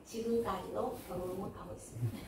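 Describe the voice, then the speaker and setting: A woman's voice: mid-range voice, fairly even intonation, fast, background noise. A woman pastor preaching a sermon, talking to the congregation with rhetorical questions and acted-out quotes. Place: church sanctuary. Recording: echoey church hall, mic at a distance.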